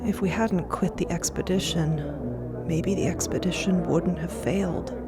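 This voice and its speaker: A woman's voice: lowish voice, fairly even intonation, moderate pace, lightly acted. A woman voicing a frustrated, worn-down botanist, venting in an audio drama. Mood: bleak. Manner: venting, exasperated. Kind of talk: audio drama character acting. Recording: loud music under the voice.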